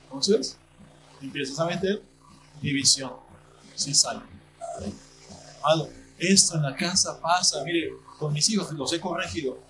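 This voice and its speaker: A man preaching a sermon as pastor, acting out church members in lively asides. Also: a little high, measured pace, pauses often, rough recording.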